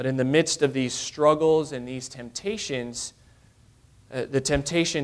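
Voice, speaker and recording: Using a normal speaking voice, a man talks at a medium pitch with ordinary pitch variation. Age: 30s. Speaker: pastor. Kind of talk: sermon.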